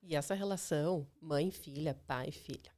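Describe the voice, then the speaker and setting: A woman's voice: low voice, normal speed, mellow. A woman with a Brazilian Portuguese accent, a child nutritionist guest, who explains patiently and reassuringly and often ends her points with "tá". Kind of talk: explanatory interview talk.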